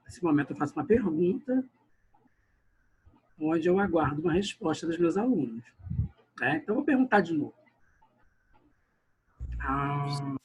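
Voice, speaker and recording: A man's voice: fairly high pitch, sing-song, moderate pace, pauses often, breathy edge, rough recording. A male grammar teacher, giving an online lesson and often calling out to his class while he stretches words for emphasis. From Brazil.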